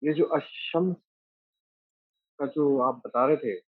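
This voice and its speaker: A male student asking a question haltingly, searching for his words. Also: medium pitch, dry recording, narrow, tinny audio.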